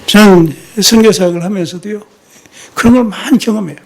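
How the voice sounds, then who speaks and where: A man's voice: high-pitched, a little fast, creaky. A man who is a missionary, preaching a sermon in a church. He keeps asking the congregation rhetorical questions and drops in short "yes" interjections. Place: church sanctuary.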